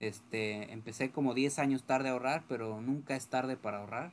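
Speaking at a moderate speed, a man has an unremarkable speaking voice and fairly even intonation. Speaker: podcast co-host. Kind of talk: casual chat.

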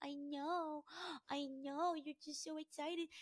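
The put-on character voice is high-pitched, fairly slow and monotone, with flat intonation. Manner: cutesy.

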